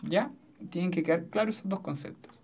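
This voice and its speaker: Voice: medium pitch, a little fast, a little mellow, breathy edge. A teacher giving a recorded physics lesson in a foam-lined studio. They explain step by step and keep checking that the students follow. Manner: explanatory, often checks understanding.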